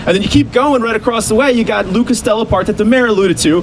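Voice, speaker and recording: Noticeable background noise sits behind this clip. A man speaks at a very fast pace in an animated tone. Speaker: city official. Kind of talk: public speech.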